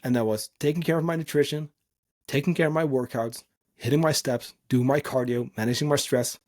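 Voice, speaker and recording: A man's voice: medium pitch, steady tone, brisk, darkish tone. Dutch-born man, earnest unscripted podcast talk. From Netherlands. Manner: informal, earnest, emphatic, occasional swearing. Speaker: podcast host and coach.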